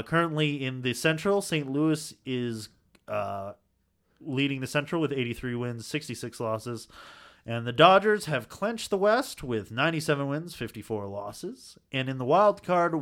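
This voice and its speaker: A man's voice: medium pitch, animated, normal speed, a bit bright. A man co-hosting a sports podcast, reading out standings in a matter-of-fact way with frequent "uh" fillers. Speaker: podcast co-host.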